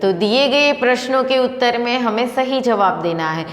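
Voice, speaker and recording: A woman's voice: a little high, moderate pace. A woman teaching a primary school Hindi class, patiently asking questions and answering them herself. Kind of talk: recorded online class lesson. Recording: echoey room with long reverb.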